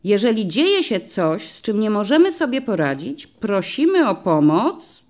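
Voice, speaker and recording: Woman reading as a friendly cop talking to a class of kids, calm and patient, voice going up and down a lot. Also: mid-range voice, voice pushed up. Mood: explaining. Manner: calm, explaining slowly to children. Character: middle-aged male police commissioner, patient and friendly. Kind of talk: audiobook story reading.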